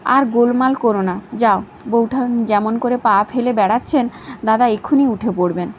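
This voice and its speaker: A woman's voice: a little high, moderate pace, close to an everyday voice. Woman voicing a mild young husband. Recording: slightly dull with faint hiss.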